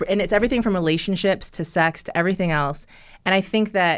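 A woman with an American accent, fairly low pitch and very fast pace, in a very clean recording with a silent background. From Michigan, US Midwest. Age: 30s. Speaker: singer-songwriter and YouTuber. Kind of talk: casual interview chat.

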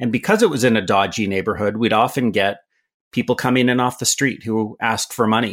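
In a very clean recording with a silent background, a man with a Canadian accent speaks in an ordinary speaking voice at medium pitch, with fairly even intonation and a fairly quick pace. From Canada. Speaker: entrepreneur and author. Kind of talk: interview.

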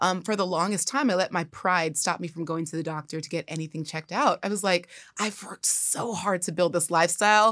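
A woman with an American accent and a plain, everyday voice speaks at a fairly quick pace and fairly low pitch, with hardly any pauses. The recording is very clean over a silent background. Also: ordinary pitch variation. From United States. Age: 30s. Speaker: travel blogger. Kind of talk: casual chat. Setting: studio.

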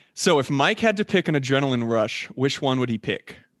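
In a very clean recording with a silent background and a dry, close sound with no echo, a man of medium pitch talks at a fairly quick pace with lively intonation. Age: 30s. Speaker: podcast host. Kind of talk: casual chat. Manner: animated.

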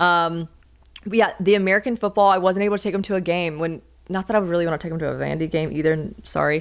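Speaking very fast with an animated tone, a woman uses a Southern US accent at fairly low pitch. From US South. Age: 20s. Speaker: podcast host. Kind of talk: casual chat.

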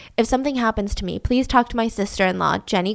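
An unforced reading voice, pitch shifting in an ordinary way

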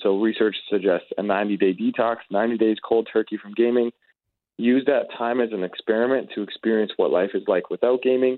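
At a fairly quick pace, a man uses a normal speaking voice. His pitch is medium, with fairly even intonation. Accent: Canadian. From Canada, Calgary. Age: 20s. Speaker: founder of gaming addiction support group. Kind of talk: phone interview. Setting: phone call.

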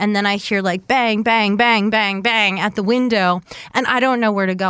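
A normal speaking voice with an American accent moves at a fairly slow pace with ordinary pitch variation, on a very clean recording with a silent background. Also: woman. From Omaha, Nebraska. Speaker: podcast co-host. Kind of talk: casual chat.

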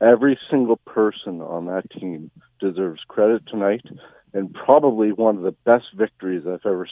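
An ordinary speaking voice, a man talks at a moderate pace and a fairly low pitch, with ordinary pitch variation. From Grimsby, Ontario, Canada. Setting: phone call.

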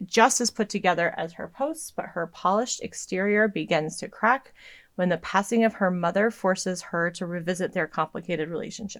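A woman speaks with an unremarkable speaking voice at a medium pitch. Her pitch variation is ordinary. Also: very clean recording, silent background. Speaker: podcast host. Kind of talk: casual gossip chat.

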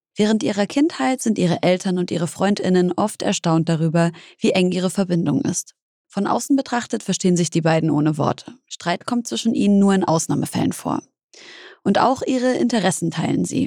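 In a very clean recording with a silent background and a dry, close sound with no echo, a woman speaks at a fairly quick pace in a medium pitch, with a dark, mellow tone, very even loudness and lively intonation. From Leipzig, Germany (Syrian roots). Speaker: journalist and co-host. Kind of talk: storytelling; casual chat.

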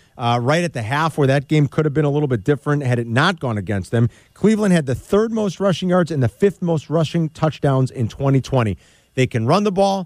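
Fairly high male voice with lively intonation, a fairly quick pace, and a dry, close sound without echo. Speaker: sports radio host. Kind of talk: casual chat. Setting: studio. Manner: animated.

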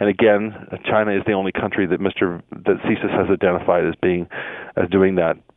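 A fairly quick, monotone man's voice, fairly low in pitch with flat intonation, with a Canadian accent.

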